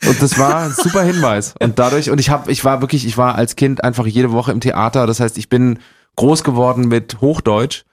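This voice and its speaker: A young man from Germany talking quickly as an interview guest, rambling with many restarts. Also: medium pitch. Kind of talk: casual interview chat.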